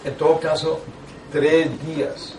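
An older man, a priest, teaching a lay audience in a small meeting room, telling stories with lively asides and restarts. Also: a little high, slow, far from the mic, background noise. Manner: animated storytelling with frequent asides and restarts. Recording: echoey room, taken from afar.

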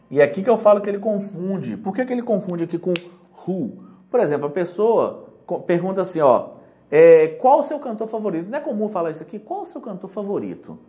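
A man with a Brazilian Portuguese accent teaching English for an exam in a casual, joking way. He reads English examples slowly and translates them. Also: fairly high pitch, darkish tone. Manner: casual, joking, keeps checking "entendeu?". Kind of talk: online lesson.

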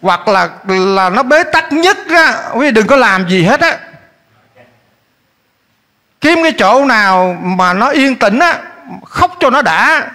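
A male pastor, preaching a lively sermon that swings between loud urging and quiet asides while he keeps questioning the congregation. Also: very high voice, slow pace. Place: church hall. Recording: echoey church hall.

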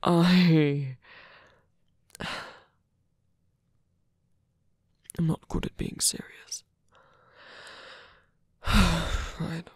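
A man acting a lovestruck villain in an ASMR roleplay, flirtatious yet sincere and protective, confessing haltingly in a breathy, husky voice that often drops to a whisper. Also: a little high, fairly even intonation, no echo, exaggerated voice. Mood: hesitant, tender. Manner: halting, hesitant confession with small sighs. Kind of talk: ASMR roleplay, intimate one-sided dialogue.

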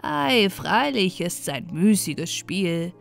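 A woman's voice: fairly low pitch, big pitch swings, takes it slowly, creaky, soft background music, heavily acted. A woman voicing a tiny enchanted male pond dwarf in an earnest, sing-song storybook manner. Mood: hopeless.

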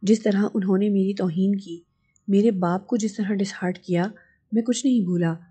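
A woman reading a calm young husband. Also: medium pitch, moderate pace, slightly rough, close to an everyday voice.

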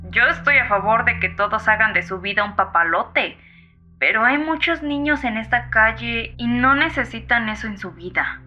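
An actress plays a nervous young woman phoning emergency services in an audio horror drama. Her voice is fairly high and slow, and she rambles hesitantly. The call sounds dull and lo-fi, with music behind it. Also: animated, close to an everyday voice. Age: young adult. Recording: muffled lo-fi phone-call sound over music.

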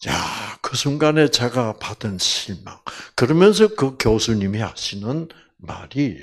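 A man's voice: mid-range voice, breathy edge. An older man, a doctor, giving a storytelling lecture about healing, acting out quoted voices and dropping to near-whispers. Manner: slow and animated, acts out quoted voices, drops to near-whispers.

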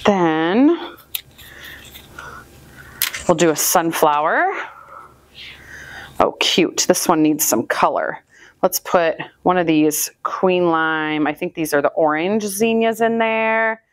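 This Midwestern woman in her thirties, from Northwest Iowa, speaks slowly with a fairly low voice and lively intonation as she builds bouquets on camera. A flower farmer and channel host, she's chatty and upbeat, giving casual how-to narration while handling flowers in an indoor room with buckets; the far, hands-free camera gives a dry recording.

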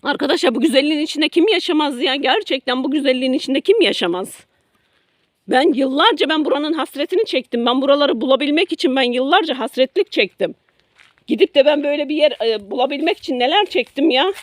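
A woman's voice: high voice, expressive, quick pace, no echo, clean studio sound. A middle-aged woman vlogging from her garden to her followers, talking emotionally, first indignant, then apologetic, often repeating herself. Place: garden by a road near woods.

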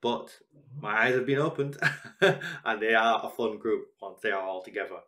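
A man's voice: lowish voice, expressive, normal speed, sharp tone. A man talking casually to camera in a small room, introducing his vlog clip with chatty enthusiasm. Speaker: vlogger.

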